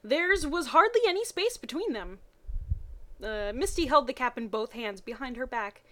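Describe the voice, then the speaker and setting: Expressive, higher-voiced woman reading with sardonic asides. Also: normal speed. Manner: expressive reading broken by muttered, sardonic commentary. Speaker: reader of fan fiction. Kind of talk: mocking dramatic reading of badly written fan fiction with dry asides.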